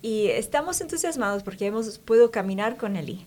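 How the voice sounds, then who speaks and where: A woman's voice: fairly high pitch, expressive, fairly quick, darkish tone. A woman hosting a Christian testimony interview, welcoming her guest and affirming her with frequent short murmurs. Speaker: host.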